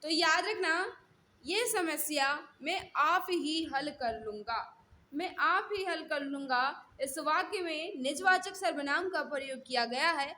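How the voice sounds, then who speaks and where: Woman, high-pitched online test-prep teacher, instructional and repetitive, faint noise behind her. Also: measured pace, pushed and bright. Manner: instructional, repeats questions and set phrases. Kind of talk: live mock-test lesson, questions and answers.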